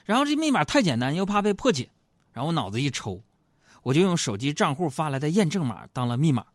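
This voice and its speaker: A man hosting a radio show, telling self-mocking comic stories in an animated way, recorded in a studio. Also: on the high side, fast, no room sound. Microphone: studio microphone.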